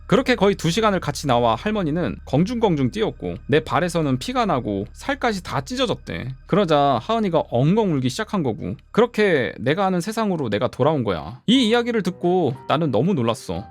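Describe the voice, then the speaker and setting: Lively male horror storyteller. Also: fairly high pitch. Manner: lively, expressive. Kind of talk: casual spoken storytelling.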